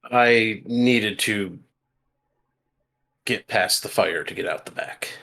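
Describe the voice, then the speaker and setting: A man's voice: lowish voice, takes it slowly, creaky, pushed and bright. A man playing a tabletop role-playing game, giving short, casual replies in and out of character.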